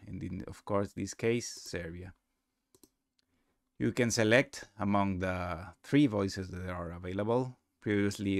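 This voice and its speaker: A man presents a software walkthrough in a low, gravelly voice. His English is non-native and halting, with a casual delivery. The sound is close and dry. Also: no room sound. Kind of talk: casual screen-recorded tutorial narration.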